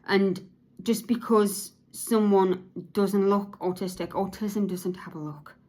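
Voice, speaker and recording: A woman hosting her own podcast, speaking about her life with autism in a halting way, with many restarts, and at times in a monotone. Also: mid-range voice. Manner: says her voice is sometimes monotone; halting, with frequent restarts and repeated words. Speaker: podcast host. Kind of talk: personal monologue about autism.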